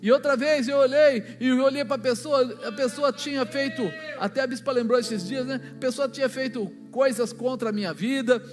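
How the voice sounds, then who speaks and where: High-voiced Brazilian pastor preaching in a hall. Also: male voice, a little fast, few pauses. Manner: colloquial storytelling, acting out dialogue. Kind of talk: sermon. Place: church. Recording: long church hall reverb with music behind.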